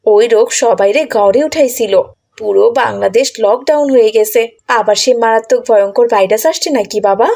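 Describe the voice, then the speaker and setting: A woman's voice: on the high side, normal speed, a little mellow. A woman voicing a gullible, anxious neighbourhood auntie in a cartoon, with a Bangladeshi accent and an earnest, colloquial manner. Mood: worried.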